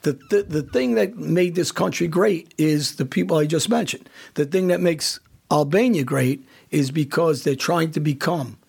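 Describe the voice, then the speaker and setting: Gravelly guy on a podcast, kinda husky, blunt and emphatic, keeps restarting. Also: on the high side, normal speed, a little mellow. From United States. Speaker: podcast host. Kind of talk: casual chat.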